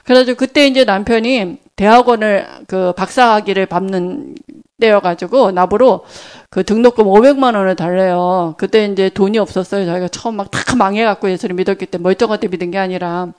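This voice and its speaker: A middle-aged woman giving an animated church testimony, acting out quoted dialogue as she goes. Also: medium pitch, brisk, smooth. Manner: animated storytelling, acts out quoted dialogue, laughs. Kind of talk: sermon testimony storytelling.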